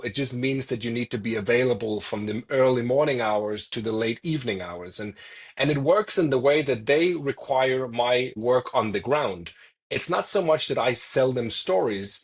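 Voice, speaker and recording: Man, 30s, from Denmark, husky mid-pitched voice, journalist guest who thinks aloud and restarts phrases. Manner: thoughtful, frequent restarts, repeats words while searching for phrasing. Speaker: freelance journalist, podcast guest. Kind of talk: conversational interview answers.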